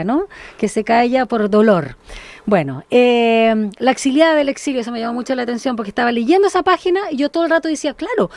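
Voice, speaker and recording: A woman's voice: on the high side, a little mellow, no echo. A woman hosting a radio interview, wandering through long questions with many restarts and tag questions.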